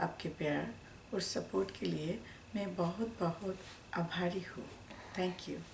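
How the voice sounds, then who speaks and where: A woman's fairly low voice with a non-native accent, fairly even intonation and long, frequent pauses, in audible room echo. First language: not Hindi (speaking Hindi). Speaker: spiritual teacher. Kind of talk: spiritual talk to camera.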